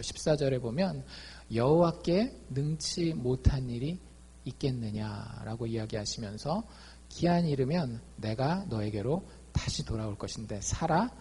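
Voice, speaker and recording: A man preaching a sermon as a pastor, lively, acting out quoted dialogue in his talk. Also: mid-range voice, husky. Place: church.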